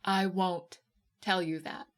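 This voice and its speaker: Female narrator playing world-weary man, a radio therapist in literary audiobook; laconic, wry, lower and unhurried. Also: steady tone. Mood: weary, firm.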